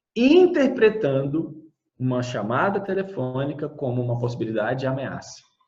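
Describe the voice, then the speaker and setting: The recording carries audible room echo. A man with a fairly high pitch speaks in a somewhat breathy voice. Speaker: stuttering coach and public speaking mentor. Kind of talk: online course lecture. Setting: video call. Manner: occasional small repetitions.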